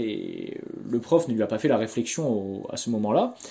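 A man speaks in an unremarkable speaking voice at a medium pitch. His intonation is lively. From Corsica, Borgo. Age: 20s. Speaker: student. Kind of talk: testimony.

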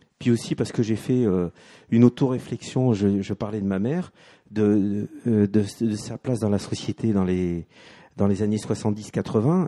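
Dark and mellow in tone, a man's voice comes through dry and close with no echo over a quiet background. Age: 50s. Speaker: theatre director. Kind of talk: panel discussion.

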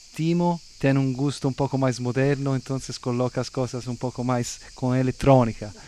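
Flat, monotone intonation pairs with a dark, mellow tone in this voice. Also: man. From Italy. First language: Italian (speaking French). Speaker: accordionist. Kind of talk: interview.

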